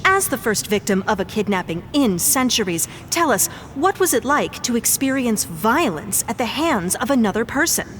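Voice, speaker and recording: A woman's voice: a little high, very animated, normal speed, few pauses, a bit bright. An actress playing a pushy, probing female news reporter in an audio drama, firing insistent leading questions. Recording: noisy crowd ambience behind.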